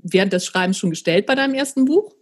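A woman's voice: mid-range voice, animated, quick pace, husky. A woman hosting a podcast and asking her guest informal questions. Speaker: podcast host, interviewer. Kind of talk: casual interview questions.

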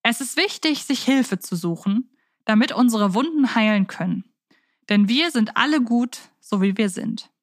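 Woman podcast host, fairly high voice, dry close sound, chatty or reading stuff out. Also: expressive, moderate pace, no echo. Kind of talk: casual podcast chat and reading aloud.

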